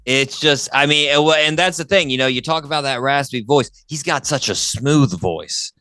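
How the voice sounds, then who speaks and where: A man's voice: medium pitch, normal speed, bright, forceful tone, clean tone, no room sound. A man hosting a music interview in a casual, enthusiastic way, often repeating his phrases. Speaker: talk show host.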